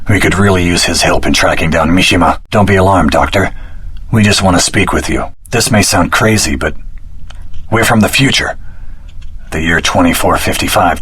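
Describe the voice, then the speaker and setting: An actor playing an earnest, determined young hero in a video game, with a dramatic, heroic delivery. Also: male voice, sits low, a bit bright, breathy edge.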